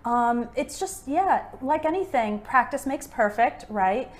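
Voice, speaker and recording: Higher-pitched American woman teacher. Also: a little slow. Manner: friendly, relaxed, asks questions. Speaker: English teacher. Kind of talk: casual conversation lesson.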